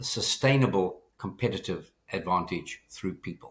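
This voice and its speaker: A somewhat breathy man with a South African accent. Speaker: people leadership and change management expert. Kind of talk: podcast interview.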